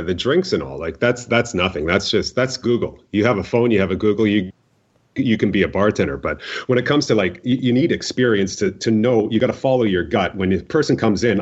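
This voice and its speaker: A man's voice: lowish voice, husky, highs cut off. A middle-aged man, a veteran bartender, talking casually and emphatically on a podcast, repeating words for stress.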